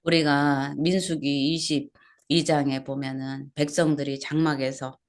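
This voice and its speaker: A woman's voice: low-pitched, level tone, unhurried. A woman pastor preaching an expository sermon at a small church service, asking the congregation questions and repeating key words.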